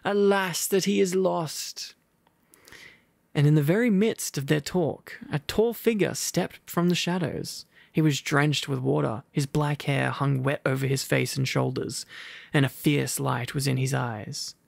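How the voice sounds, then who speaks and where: A young man reading a book aloud in a soft, relaxed ASMR style, drowsy, with muttered asides. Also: medium pitch, a little slow, creaky, no room sound. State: drowsy after a heavy meal. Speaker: ASMR roleplay storyteller.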